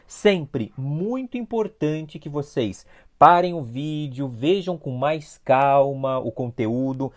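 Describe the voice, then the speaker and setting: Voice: mid-range voice, darkish tone. A teacher with a Brazilian Portuguese accent gives an online review class. They explain step by step, repeat key points and often stop to check in with a questioning "sim?". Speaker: Spanish teacher.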